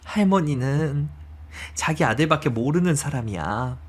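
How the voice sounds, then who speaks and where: A man's voice: on the high side, lively intonation, a little slow, husky, voice pushed down. A man voicing a grieving middle-aged mother in a dramatized story, speaking in emotional, tearful pleading dialogue. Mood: remorseful.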